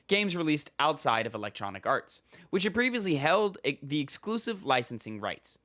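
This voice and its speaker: A man's voice: fairly high pitch, big pitch swings, moderate pace, a bit bright, no room sound. A man hosting a casual gaming podcast with a slightly stuffy nose, rambling with fillers and reading news articles aloud. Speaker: podcast host.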